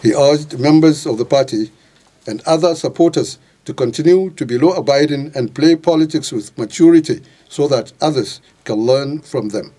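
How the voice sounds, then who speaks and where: Nigerian man doing a formal news report voiceover, darkish husky voice. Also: fairly high pitch, moderate pace, dark tone. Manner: formal reading. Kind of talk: scripted news report voice-over.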